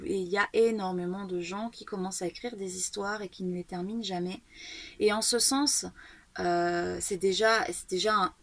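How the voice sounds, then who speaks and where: A woman's voice: mid-range voice, dry recording. Thoughtful woman in her thirties, close and dry. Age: 30s. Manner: thoughtful, hesitant, many fillers and restarts. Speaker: author and video blogger. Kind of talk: casual reflective monologue.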